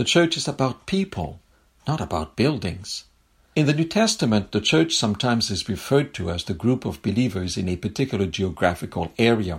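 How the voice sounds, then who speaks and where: A man's fairly low, somewhat breathy voice at a fairly quick pace, with very wide pitch swings. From Quebec. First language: French. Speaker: theology professor. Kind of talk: reading aloud.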